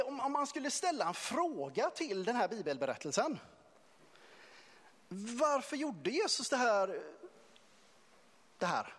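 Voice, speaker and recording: Male preacher, storytelling sermon, high voice, long reverb of a church hall. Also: breathy edge. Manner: lively, conversational, playful.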